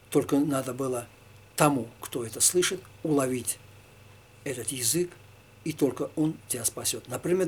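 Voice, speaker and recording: A man, a Tatar native speaker, answering religious questions one by one in a halting, informal way. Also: mid-range voice, darkish tone, slightly rough. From Tatarstan, Russia. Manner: halting, with many fillers and restarts.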